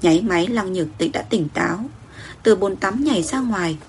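A woman narrating a romance story in a steady, even reading. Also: mid-range voice, a little fast, a little hiss or hum.

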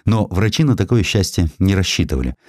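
Deep-voiced man narrating gravely. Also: very animated, a little mellow, no echo, clean studio sound. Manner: measured, grave storytelling with deliberate pauses. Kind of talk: dramatic scripted audiobook narration.

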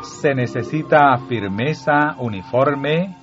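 A man reading a devotional text aloud at a slow, measured pace, letting phrase ends fall. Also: medium pitch. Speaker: audiobook reader. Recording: dull lo-fi audio with faint music.

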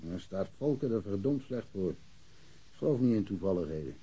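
Husky, chatty village policeman. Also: low-pitched, lively intonation, moderate pace, warm tone, rough recording. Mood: blunt, confident. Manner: talkative, colloquial, opinionated. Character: chatty, blunt village policeman, worldly-wise and sure of himself. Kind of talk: naturalistic radio drama dialogue.

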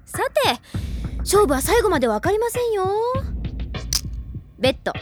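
Confident teenage girl, high pitch, lively intonation, teasing, mock-polite, music behind, anime drama. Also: moderate pace. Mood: playful, teasing. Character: confident, crafty teenage club leader girl. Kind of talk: anime audio drama acting.

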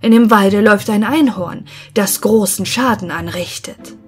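A woman's voice: medium pitch, a little slow, husky, soft background music. A woman voicing a scheming male king in a fairy-tale audiobook, giving orders. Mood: commanding.

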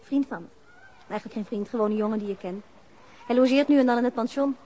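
A woman's voice: fairly high pitch, quick pace, warm tone, natural voice. An actress playing a forward, easygoing young woman in a radio drama, chatty and inviting. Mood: relaxed, inviting. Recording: noisy radio play with background ambience.

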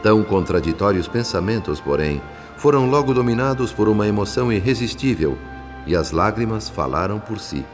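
An actor with a Brazilian accent playing a gentle, reflective spirit who narrates a radio drama in a measured, solemn way. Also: male voice, lowish voice, expressive, lightly acted. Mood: tender, solemn. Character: gentle, reflective male spirit narrator telling a family's story. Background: background music.

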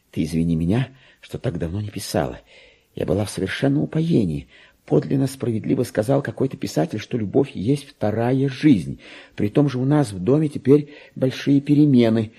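A man's voice: mid-range voice, warm tone, husky. A man voicing a gossipy, affected little female pet dog in a theatrical, chatty reading of a classic story. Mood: dreamy, chatty. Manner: chatty, mannered, exclamatory, drawn-out emphasis.

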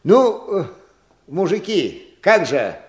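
Hearty, animated village organiser. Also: male voice, sits high, slow pace, slight background noise, exaggerated voice. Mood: pleased, musing. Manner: folksy, encouraging, musing aloud. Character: hearty, eager village organiser rallying the men. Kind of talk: Russian radio drama acting.

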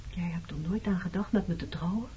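A woman's voice: fairly low pitch, a little fast, mellow, slight background noise, natural voice. An actress playing a hurt, resentful woman accusing her former lover in a Dutch radio play. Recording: muffled old radio recording.

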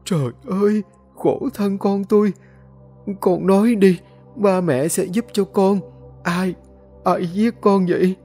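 A man's voice: high-pitched, steady tone, slow, pauses often, mellow, breathy edge, soft background music, pitched above the performer's own voice, exaggerated voice. A man voicing a sobbing old mother. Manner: sobbing, pleading. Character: grief-stricken village mother, older woman.

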